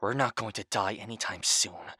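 Forceful, blunt grown son. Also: male voice, on the low side, moderate pace, breathy edge, no room sound, studio quality, exaggerated voice. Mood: forceful, angry. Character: grown son, blunt, fierce family peacemaker. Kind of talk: audio drama acting.

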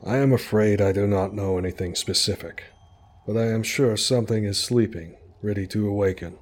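A man voicing a frail, kindly old uncle who speaks slowly and solemnly. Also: on the low side, fairly even intonation, natural voice. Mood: grave.

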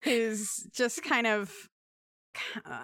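Bright, crisp-voiced woman telling a story. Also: on the high side, very slow. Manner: animated storyteller, laughing often. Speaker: podcast host. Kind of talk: casual chat, recounting a wrestling segment.

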